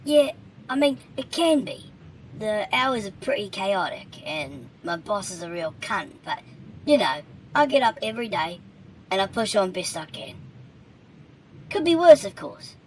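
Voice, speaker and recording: A man's voice: high-pitched, big pitch swings, unhurried, a little hiss or hum, voice pushed up, poor audio. A man voicing a weary, cheeky male demon with a thick Cockney accent, chatting in a casual, rambling, sweary way. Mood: weary chatty.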